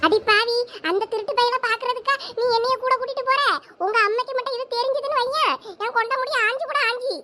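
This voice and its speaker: A performer voicing a nosy young village woman friend in a very high, shrill cartoon voice with a Thoothukudi Tamil accent. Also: fairly even intonation, quick pace, loud music behind the voice. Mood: scolding.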